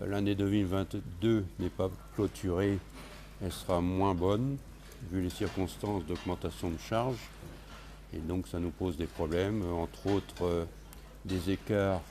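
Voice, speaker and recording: A man's very deep, low voice has a dark, mellow tone and ordinary pitch variation. He talks at a fairly slow pace, with long, frequent pauses. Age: 60s. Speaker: dairy and poultry farmer. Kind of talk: casual interview. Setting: on a farm. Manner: hesitant, many fillers.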